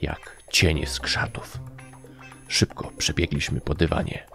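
A man reading an adventure story aloud as an audiobook narrator, telling it lively and raising his voice for the characters. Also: rumbling low, slow pace, gravelly, soft background music.

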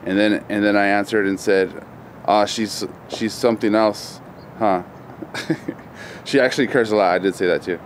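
A man's voice: fairly low pitch, fairly even intonation, normal speed, slight background noise. A man behind the camera, teasing and laughing as he reads out viewer comments outdoors. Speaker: channel host, off camera. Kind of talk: casual teasing chat. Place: backyard, outdoors.

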